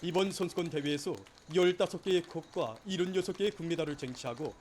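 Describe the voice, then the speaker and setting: A man's voice: on the high side, quick pace, a little mellow, a little hiss or hum. A man with a North Korean accent narrating formal scripted news in a solemn, fervent, declamatory state-broadcast style. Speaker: news announcer.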